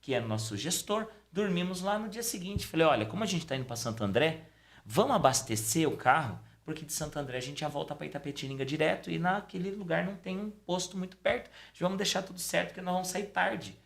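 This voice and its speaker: A man's voice: fast, creaky. A middle-aged man, a podcast guest telling a personal story casually and acting out the dialogue. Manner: animated storytelling, acting out dialogue with pitch swings. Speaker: podcast guest, Umbanda priest.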